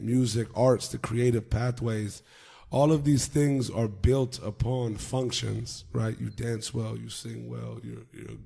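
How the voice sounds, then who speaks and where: Gravelly-voiced man hosting a podcast. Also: mid-range voice, mellow. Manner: earnest, swears freely, hype-man energy. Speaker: podcast host. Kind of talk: casual podcast interview.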